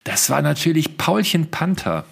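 A man's voice: on the high side, big pitch swings, normal speed, vocal fry, fairly bright tone, breathy edge, faint music behind. A man co-hosting a podcast in casual chat, playful and chatty. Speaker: podcast co-host.

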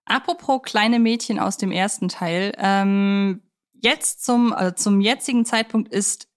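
A woman's voice: medium pitch, unhurried. A woman with a mid-range voice co-hosts a film podcast. She speaks casually and colloquially, sounding like a keen fan sharing opinions. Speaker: podcast co-host.

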